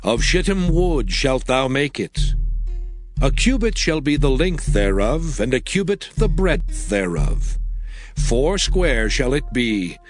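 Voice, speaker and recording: Music plays clearly behind a man reading scripture as dramatized narration. His delivery is solemn and declamatory, with animated rises and falls in a mid-range voice. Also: mid-range voice, slow. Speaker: audiobook scripture reader.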